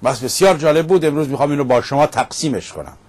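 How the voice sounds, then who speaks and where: A man's voice: fairly high pitch, lively intonation, a little mellow. A middle-aged man hosting a monologue show, recounting a debate in an emphatic storytelling manner. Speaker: host. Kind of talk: casual monologue. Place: Paris.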